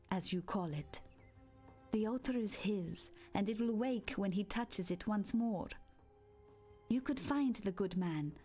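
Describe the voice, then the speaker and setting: An actress voicing a solemn tribal spirit healer in a video game, measured and cryptic. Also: female voice, on the high side, a little mellow. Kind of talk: video game character dialogue.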